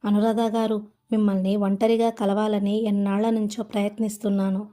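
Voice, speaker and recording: A woman's voice: medium pitch, flat delivery, normal speed, dark tone, natural voice. A woman voicing a terse, brooding young male doctor. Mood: earnest. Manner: terse, dismissive.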